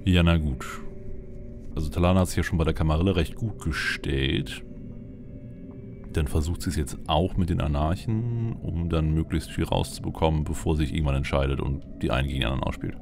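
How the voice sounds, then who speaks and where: A man's voice: extremely low pitch, fairly quick, creaky. A man giving playful roleplay commentary as a let's player, muttering and repeating words. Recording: voice over loud game music.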